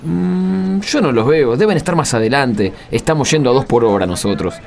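A man's voice: mid-range voice, expressive, moderate pace, creaky, darkish tone. An actor playing a tired, complaining and teasing male pilgrim in a radio play, with an Argentine accent and colloquial banter. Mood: weary.

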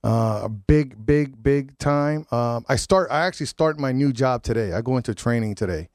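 A man's voice: mid-range voice, normal speed, darkish tone, dry recording, studio quality. Nasal man hosting radio with a cold. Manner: loose, rambling, joking. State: has a head cold. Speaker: radio show host. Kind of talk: casual community radio chat.

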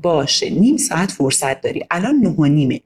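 A woman narrator voicing a patient, caring mother who asks calm, kindly questions. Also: low-pitched, husky, exaggerated voice. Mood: gentle.

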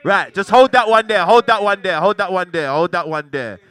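A man's voice: high-pitched, animated, fairly quick, background noise. A man with a London roadman accent hosting a radio interview in slangy, casual hype talk, repeating phrases for emphasis. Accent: London roadman, urban slang. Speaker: radio show host.

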